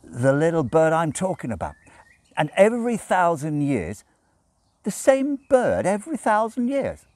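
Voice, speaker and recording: A man's voice: on the high side, wildly swooping pitch, unhurried, darkish tone, no room sound, voice pushed up. A man voicing a sly, drunk male demon in a storybook reading, rambling and insistent. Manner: rambling, emphatic, persistent. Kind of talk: dramatised book reading. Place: outdoors in a garden.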